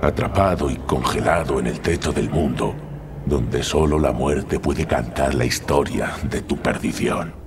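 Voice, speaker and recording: An actor voicing a menacing, gloating demon dark lord in a video game, ominous in manner. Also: male voice, a bass voice, a little slow. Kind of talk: video game character acting. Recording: noisy game cutscene audio.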